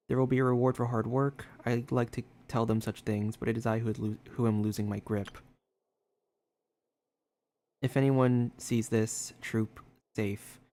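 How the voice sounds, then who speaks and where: A man's voice: medium pitch, mellow. A man streaming a game, reading its story text aloud and adding casual commentary.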